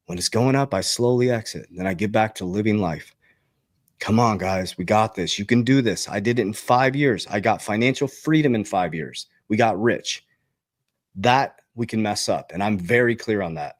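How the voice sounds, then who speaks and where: A man who works as a finance coach, giving a direct, preachy motivational talk with sudden jumps in pitch. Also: dry recording, studio quality.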